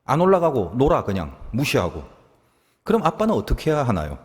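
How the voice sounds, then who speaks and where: A man's voice: mid-range voice, wildly swooping pitch, a little fast, breathy edge. A man preaching a sermon as pastor, talking animatedly and acting out quoted lines. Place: church sanctuary. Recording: long reverb of a church hall.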